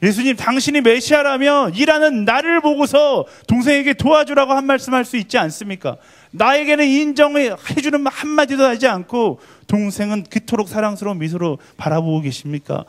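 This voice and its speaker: A man's voice: a little high, fairly quick, hardly any pauses, darkish tone, close to an everyday voice. A male pastor voicing an angry, desperate woman who confronts Jesus during a sermon. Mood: furious, tearful.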